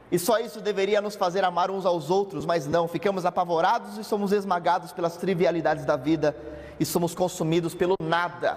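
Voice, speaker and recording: A man talks at a fairly quick pace with a high pitch. His intonation stays fairly even over noticeable background noise. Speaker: preacher. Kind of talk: sermon. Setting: church. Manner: emphatic, rhetorical pulpit delivery with questions; earnest, didactic, persuasive.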